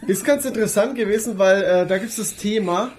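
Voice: medium pitch, a little fast, darkish tone. A podcast co-host, chatting casually and often groping for words while reviewing series.

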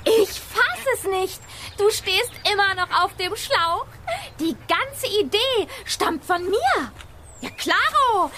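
A woman playing a cheeky young punk witch girl in a children's audio drama, with a snotty, direct, loudmouthed manner. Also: extremely high pitch, slight background noise, full character voice.

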